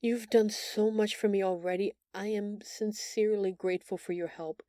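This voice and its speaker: A woman playing a gentle, shy female alien who stammers earnestly and apologetically in an intimate audio roleplay. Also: mid-range voice, steady tone, normal speed, no echo, studio quality, lightly acted. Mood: timid, apologetic.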